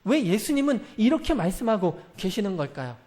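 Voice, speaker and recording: A man with a very high voice delivers a sermon from the pulpit. He speaks straight to his congregation and keeps asking them questions. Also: sing-song, fairly quick, a little mellow. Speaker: pastor.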